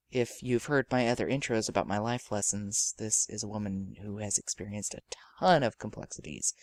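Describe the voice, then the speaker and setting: A podcast host who also creates audio dramas opens her show with a theatrical, effusive storytelling introduction, quoting other people in acted voices. Her voice is deep bass, and there's no echo.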